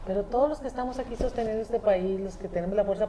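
A woman talks at a very fast pace. Noticeable background noise can be heard behind her. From northern Mexico, Coahuila. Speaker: federal legislator. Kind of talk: interview.

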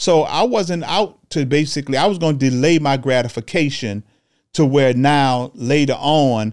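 A man speaks with ordinary pitch variation. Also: very clean recording, silent background. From US South, New Orleans. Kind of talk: casual interview.

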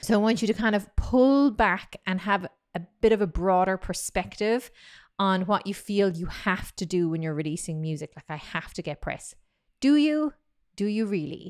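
With a Cork accent, a woman talks at a moderate pace in a medium pitch, her intonation lively and her loudness swinging widely, on a very clean recording with a silent background. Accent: Irish, Cork. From Ireland. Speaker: vocal and business coach, former singer. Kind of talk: solo podcast monologue. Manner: casual, with fillers and restarts.

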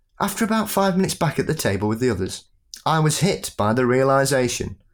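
A man at a fairly quick pace with very wide pitch swings, in a very clean recording against a silent background. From Yorkshire, England. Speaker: guest storyteller and podcast host. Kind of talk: ghost story telling, narrated.

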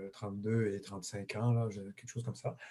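A man's medium-pitched, monotone, flat delivery at a fairly slow pace. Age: 50s. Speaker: lecturer and former humanitarian worker. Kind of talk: interview. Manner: halting, many repetitions.

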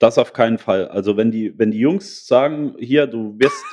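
Over a quiet background, a man with a dark, mellow tone speaks at a fairly slow pace with lively intonation. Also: dry, close sound with no echo. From Saarland. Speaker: podcast host. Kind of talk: casual chat. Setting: remote online call.

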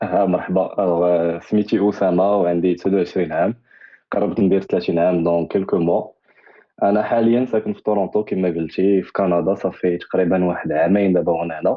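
With fairly even intonation, a man talks at a moderate speed in a very deep, low register. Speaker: emigrant podcast guest. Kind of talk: casual interview.

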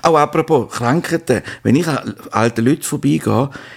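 Vocal fry runs through a man's speech. The pitch shifts in an ordinary way. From Switzerland, St. Gallen. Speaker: podcast co-host. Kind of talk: casual chat. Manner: animated.

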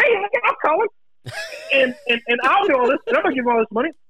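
A put-on character voice, high-pitched and fairly quick, with very wide pitch swings.

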